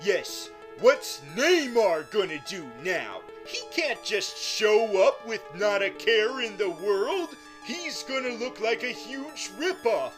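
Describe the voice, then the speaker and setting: A high-voiced, twitchy small-time supervillain, put on by a man, stumbles and stammers through his questions, repeating words as he rambles. He talks slowly over steady background music. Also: exaggerated voice. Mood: rambling. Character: nervous lesser-known male supervillain interviewer. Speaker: interviewer.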